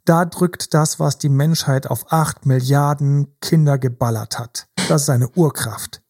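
A man's voice: fairly high pitch, measured pace, a little mellow, husky. A man talking as a relationship coach in casual podcast conversation, emphatic and repetitive, building vivid images.

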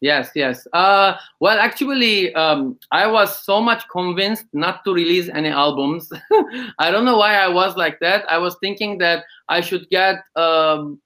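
A man's voice: high voice, measured pace, bright, forceful tone. A man, a guest musician talking hesitantly with many fillers over a video call. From Lebanon. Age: 30s. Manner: hesitant, many ums and uhs, laughs often. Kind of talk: casual interview.

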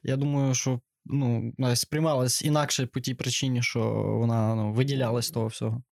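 A man's voice: mid-range voice, level tone, brisk. A young man, co-hosting a casual film podcast, laid-back and wry with crude slang. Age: young adult. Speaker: podcast co-host.

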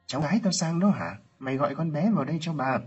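A bossy old matriarch from a storybook, her voice pushed high and shrill, breaking into wailing laments and curses, as a man puts her on. The tone is husky and rough. It is heard on a dull, lo-fi recording with faint music underneath. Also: animated, fast talker, darkish tone. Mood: imperious. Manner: theatrical lamenting cries. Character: elderly village matriarch, sharp-tongued and doting.

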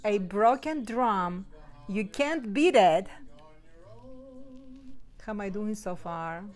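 A woman hosting a casual holiday podcast in English, which is not her first language, talking in a relaxed way with fillers and small laughs. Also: medium pitch, takes it slowly. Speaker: podcast host. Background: soft Christmas music.

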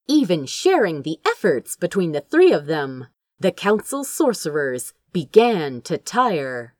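A woman's voice: mid-range voice, no room sound, clean studio sound. A woman reading a fantasy story aloud as an audiobook narrator, in a dramatic storytelling style. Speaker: fan fiction audiobook narrator.

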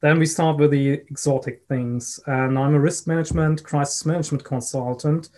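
A man with a German accent answering interview questions as an expert guest, speaking in a measured, halting way. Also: a little high, steady tone, warm tone. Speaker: guest, risk and crisis management consultant.

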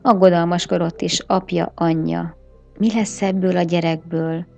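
A woman reading a children's story aloud in a gentle, unhurried bedtime manner, softly giving the animals their lines. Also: fairly low pitch, little pitch movement, vocal fry, lo-fi sound, faint music behind.

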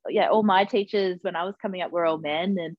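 A woman's voice: fairly low pitch, fairly even intonation, a little fast, no room sound, lo-fi sound. A woman hosting a podcast, with a young-sounding voice, chatting in a self-deprecating, talkative way. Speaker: podcast host. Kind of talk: casual interview chat.

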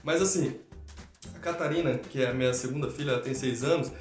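A man's voice: mid-range voice, quick pace. Brazilian man, echoey room, faint music. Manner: explains through everyday examples. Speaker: live stream host. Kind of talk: casual conversation on teaching children.

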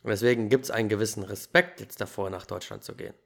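A man hosting a podcast, telling his own story in a lively, casual way with youthful slang. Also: fairly low pitch, fast, vocal fry. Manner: animated storytelling, laughs easily, youthful slang. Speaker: podcast host.

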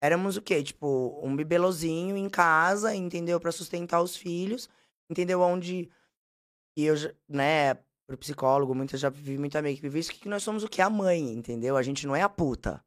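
A woman with a Brazilian Portuguese accent, telling blunt, animated, slangy stories as a podcast guest. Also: low-pitched, a little fast. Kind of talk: casual storytelling.

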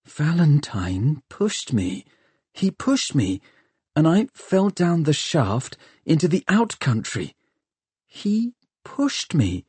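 Man voicing an earnest, bewildered young man, higher-pitched. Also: big pitch swings, slow, dark tone, husky, no room sound, heavily acted. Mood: shaken, disbelieving. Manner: earnest, pleading, wobbly when upset. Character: bewildered, tearful, homesick young city man, naive and loyal. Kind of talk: audiobook character dialogue.

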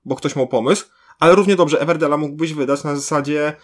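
A man's voice: on the high side, brisk. Rambling Polish-speaking podcast man. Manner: animated, rambling with restarts. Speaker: podcast co-host. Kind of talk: casual chat.

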